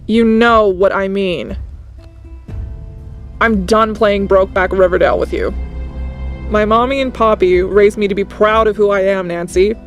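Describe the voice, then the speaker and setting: A man's voice: sits high, steady tone, unhurried, pauses often, soft background music. A man playing a sassy, proud Latina teen girl. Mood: frustrated. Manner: frustrated, earnest.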